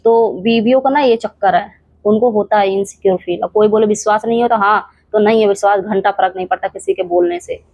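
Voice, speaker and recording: A woman's voice: medium pitch, animated, brisk, dry recording, muffled recording. A young woman vlogging, scolding an absent rival straight to camera with rhetorical questions and repeated challenges. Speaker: reaction channel creator. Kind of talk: heated reaction monologue to camera.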